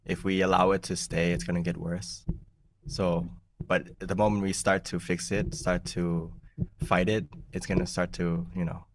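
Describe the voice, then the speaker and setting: A young man, a monk who grew up in the United States, giving an easygoing meditation talk on a video call, often laughing and clearing his throat. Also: deep voice, level tone, moderate pace, far from the mic, a little hiss or hum. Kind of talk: relaxed teaching talk over a video call. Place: small plain room indoors. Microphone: large desk mic in front of him.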